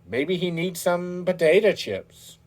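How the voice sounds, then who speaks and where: A man's voice: high-pitched, expressive, slow pace, voice pushed up. A man voicing a polite, wary little pig in a children's story, with a mild, sing-song way of talking. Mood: concerned.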